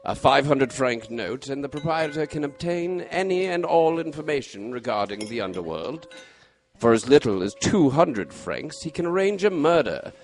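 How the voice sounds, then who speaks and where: An actor playing a shrewd, composed Victorian gentleman detective in a mystery drama, precise, formal and assured. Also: mid-range voice, sing-song, normal speed, soft background music. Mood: wry, assured. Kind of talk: radio-style mystery drama acting.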